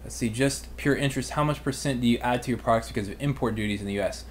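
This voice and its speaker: This American livestream host in his twenties talks fast in a medium-pitched voice. He's an online business mentor fielding viewer questions with loose, informal, slang-filled chatter.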